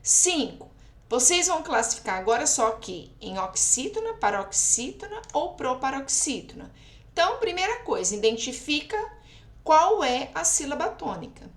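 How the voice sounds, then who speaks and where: A woman's voice: high-pitched, sing-song, moderate pace, a bit bright. A woman teacher patiently walking her pupils through a week of exercises, checking in with them often. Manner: patient, explanatory, keeps checking with "tá?". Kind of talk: recorded remote lesson explaining exercises. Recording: echoey room.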